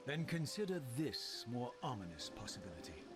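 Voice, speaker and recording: A man acts out a brooding undead male wraith from a video game. The diction is formal and deliberate, the tone theatrical and bitterly accusing, at a medium pitch for a man. Music plays clearly behind the voice. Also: sing-song, natural voice. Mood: ominous. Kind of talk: dramatic video game narration and dialogue.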